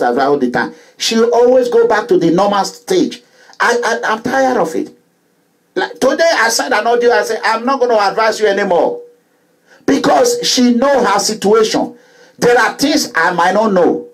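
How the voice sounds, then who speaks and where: A middle-aged man speaks straight to his followers in a high-pitched voice. He hammers his points home over and over and climbs into loud, forceful outbursts. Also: low-quality recording. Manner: emphatic, repetitive, rising to loud outbursts. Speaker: online commentator. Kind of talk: impassioned monologue to followers.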